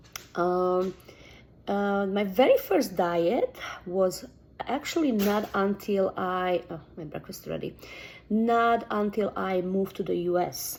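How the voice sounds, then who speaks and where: With a Slovak accent, a woman speaks very slowly at medium pitch, her pitch varying in an ordinary way. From Slovakia. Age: 40s. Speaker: fitness vlogger. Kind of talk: casual vlog. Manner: hesitant, many fillers.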